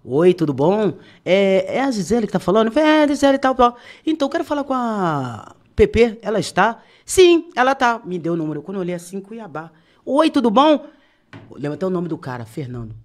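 A woman's voice: mid-range voice, a little fast. A woman, a podcast guest and singer, telling a story casually and acting out the dialogue with slang. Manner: animated storyteller who acts out quoted dialogue, slangy.

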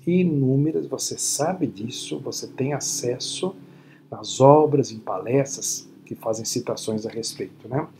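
A man's voice: mid-range voice, warm tone. Older man, teacherly lecturer, video call from home, faint hiss. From Brazil. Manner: teacherly, frequent tag questions. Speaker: spiritist lecturer. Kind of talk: online spiritist lecture. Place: home room at night. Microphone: laptop webcam video call.

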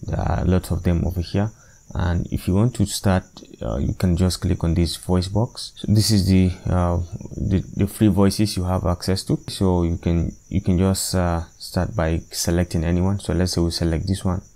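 A man presents a software tutorial in a low, dark voice with noticeable fry. He explains step by step in an unscripted way, repeating himself and hesitating as he goes. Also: flat delivery, normal speed.

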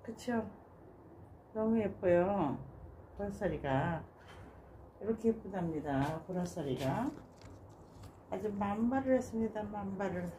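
A woman with a mellow, warm voice talks in a relaxed, casual way as she shows her balcony plants, sighing softly in admiration. A faint hum of ambient noise sits behind her. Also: medium pitch, normal speed. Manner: gushing and admiring, with soft sighs. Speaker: gardening vlogger. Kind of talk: casual narration while showing plants. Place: home balcony garden.

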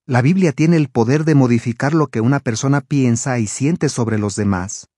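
A man giving calm, scripted narration for a religious video, explaining things clearly. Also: mid-range voice, no room sound, studio quality.

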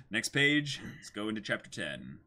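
Animated young man joking around. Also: lowish voice, takes it slowly. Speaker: co-host of a comic dramatic reading. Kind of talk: casual chat and jokey commentary. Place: indoors, small room against a backdrop.

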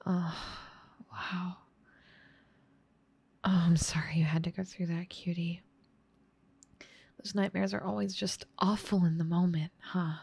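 Woman playing a slow, breathy, gentle big sister. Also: on the low side, flat delivery, exaggerated voice. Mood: gentle concern. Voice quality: soft, breathy, slightly scratchy. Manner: tender, soothing, unhurried. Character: gentle, caring big sister comforting younger sibling. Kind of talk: ASMR roleplay, soft whispering.

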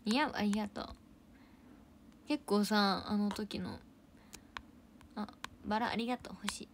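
A young woman chats on her livestream in a bubbly, thankful way and reads out comments one after another. Her voice sits at a middling pitch. She often sinks to soft, whispery murmurs between brighter lines. A faint steady hum lies under the close-miked voice. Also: unhurried. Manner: bubbly, thanks viewers for gifts, drops into soft whispery asides. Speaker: idol livestream host. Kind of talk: casual livestream chat reading viewer comments.

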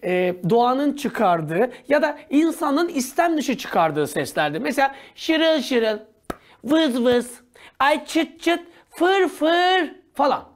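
A male teacher giving an energetic, joking grammar lecture in a slangy manner, now and then bursting into shouts. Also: very high-pitched, takes it slowly.

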